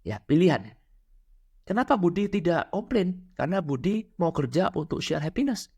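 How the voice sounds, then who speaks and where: A man's voice: high voice, sing-song, normal speed, darkish tone, husky. A man giving a motivational talk on money and happiness, asking rhetorical questions, acting out little scenes and mixing in English words. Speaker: financial and spiritual coach.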